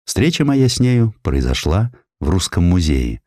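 Low male voice, animated intonation, dramatic literary narration, deliberate pauses, dry close sound. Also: no echo. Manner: expressive, deliberate, with pointed pauses. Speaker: audiobook narrator.

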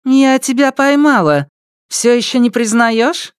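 A man voicing a spoiled, furious rich teenage girl in an audiobook, shrill, mocking and scornful. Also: lively intonation, measured pace, clean tone, no echo, studio quality. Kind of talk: audiobook character voice.

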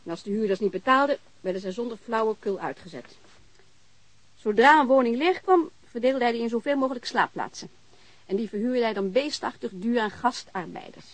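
Lively, outspoken young landlady, high-voiced. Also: a little fast, no echo. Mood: opinionated. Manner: blunt, swearing, informal. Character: outspoken, hungry, chatty young landlady with earthy frankness. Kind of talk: naturalistic radio drama dialogue.

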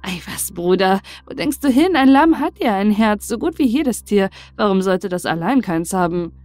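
A woman's voice: mid-range voice, animated, normal speed, a little mellow, no echo, faint music behind, close to an everyday voice. A woman voicing a cheeky, carefree male soldier in a fairy tale, breezy and protesting. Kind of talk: fairy-tale storybook character voice.

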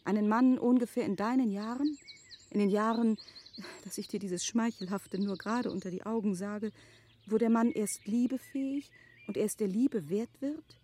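Actress as a measured, cautious married gentlewoman. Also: mid-range voice, a little hiss or hum, natural voice. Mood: cautious, doubting. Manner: measured, eloquent, formal. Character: thoughtful, cautious married gentlewoman, yielding yet clear-sighted. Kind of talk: literary German radio drama acting.

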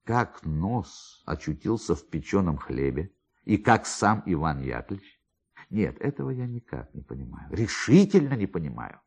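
A man narrating literary prose for radio in a theatrical manner, with emphatic pauses and drawn-out words. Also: sits low, sing-song, creaky, breathy edge.

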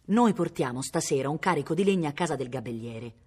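A woman voicing rough young men who bully a bandit, insistent and taunting. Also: deep voice, animated, fast talker, darkish tone.

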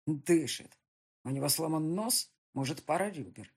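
A woman voicing a hardened male colonel with a hoarse voice in an audiobook. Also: low voice, lively intonation, unhurried, darkish tone, exaggerated voice. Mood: curt.

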